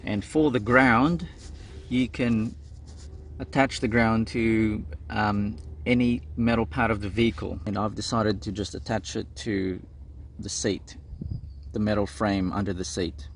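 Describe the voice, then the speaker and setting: Low, gravelly man. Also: a little hiss or hum. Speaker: how-to presenter. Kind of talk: casual hands-on DIY tutorial narration. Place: in and around a car.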